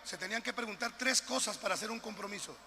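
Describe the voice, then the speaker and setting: A man preaching a sermon as pastor, with a northern Mexican accent, passionate and swinging between quiet asides and shouted appeals. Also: sits high, fast, big-room sound.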